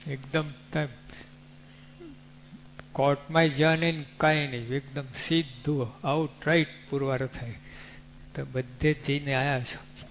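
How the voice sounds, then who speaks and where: Male preacher, measured sermon delivery, faint hum in the background. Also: mid-range voice, level tone. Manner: unhurried, teaching with rhetorical questions and animal examples. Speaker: religious speaker. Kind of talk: devotional sermon. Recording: dull lo-fi recording with faint hum.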